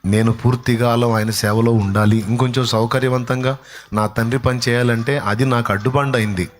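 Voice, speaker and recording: A man preaching, voicing a devoted male believer who answers his critics quietly and patiently. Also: mid-range voice, fairly even intonation, a little fast, natural voice. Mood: resolute.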